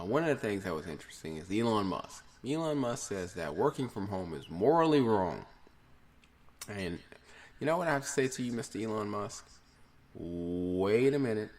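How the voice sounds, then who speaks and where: A man hosting his own podcast, talking in a chatty, rambling, opinionated way in a casual solo monologue. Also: on the low side. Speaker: podcast host.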